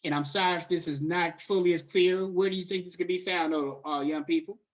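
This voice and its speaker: A man's voice: high-pitched, fairly even intonation, brisk, highs cut off. Casual, slangy male lecturer. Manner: conversational, drifts into casual slang. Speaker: college lecturer. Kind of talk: classroom lecture.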